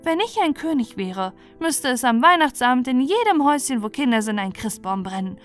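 Woman reading as a kind, high-voiced storybook aunt. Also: sing-song, brisk, faint music behind. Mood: earnest, reflective. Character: kind, affectionate aunt talking to children. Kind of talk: storybook character voice.

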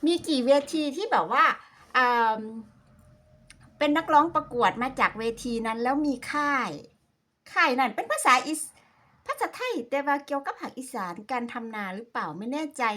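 A woman's voice: high-pitched, very animated, fairly quick, a bit bright. A woman with an Isan Thai accent chatting casually like a sassy, playful gossip vlogger, slipping between dialect and standard Thai. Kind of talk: casual gossipy reaction commentary.

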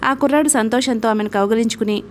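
Audiobook narrator: a woman with a fairly high voice and a steady read, faint hiss under her. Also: fast talker. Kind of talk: scripted novel narration.

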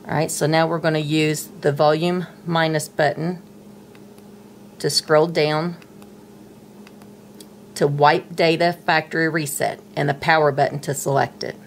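Low-voiced woman explaining tablet steps. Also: little pitch movement, a little slow, vocal fry, long pauses, slight background noise. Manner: patient, chatty, talks while handling the device. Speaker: tech tutorial presenter. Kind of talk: casual step-by-step tutorial. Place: indoors at a table, dim room.

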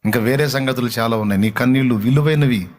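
Male pastor, passionate sermon delivery, medium pitch. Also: fast talker. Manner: impassioned, rising to near-shouting in exhortation.

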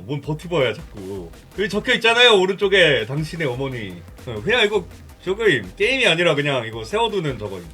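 Guy streamer joking around about a game, animated bright voice, slangy, music in the bg. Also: on the high side. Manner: teasing, joking, crude slang. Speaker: live streamer. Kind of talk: casual chat while showing a game.

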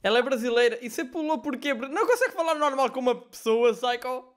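A man's voice: extremely high pitch, animated, fast talker, soft background music. A young man hosting a reaction video at a headset, making amused, mocking remarks about the gameplay. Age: young adult. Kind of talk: laughing reaction commentary.

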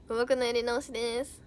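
A woman's voice: a little high, slight background noise. A young woman idol chatting casually on a livestream, reading out viewer comments with bubbly giggles.

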